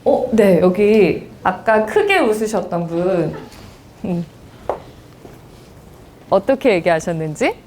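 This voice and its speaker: A woman's voice: medium pitch, slow, long pauses, a little hiss or hum. A woman speech lecturer giving an interactive seminar lecture in a university lecture room, talking straight to her audience. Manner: lively, addresses the audience directly.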